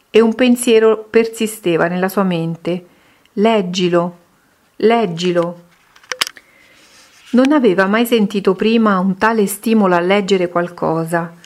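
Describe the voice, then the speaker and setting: A woman reading a Christian devotional book aloud in a steady, measured way. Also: mid-range voice. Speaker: reader.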